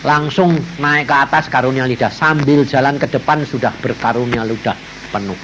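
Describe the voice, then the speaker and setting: A man's voice: medium pitch, normal speed. A man preaching a sermon with a Javanese accent, telling stories animatedly and acting out quotes. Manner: animated storytelling with acted-out quotes and bursts. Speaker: evangelist preacher. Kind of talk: testimony-filled sermon. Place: church hall with congregation. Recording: live church hall with crowd and noise.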